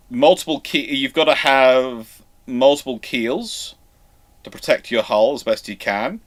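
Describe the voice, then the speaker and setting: A man hosting an informal live question-and-answer stream, explaining in a rambling, halting way with repeated false starts. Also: mid-range voice. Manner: over-careful emphasis on some words. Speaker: host of live naval history Q&A stream.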